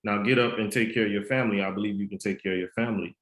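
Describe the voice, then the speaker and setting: Interview guest: low-pitched man with a faint Haitian Creole accent, unhurried and earnest, recorded in a reverberant room. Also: fairly even intonation, a bit bright. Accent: slight Haitian Creole. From United States. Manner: measured, earnest storytelling. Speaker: guest, author and mentor. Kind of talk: podcast interview. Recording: roomy echo.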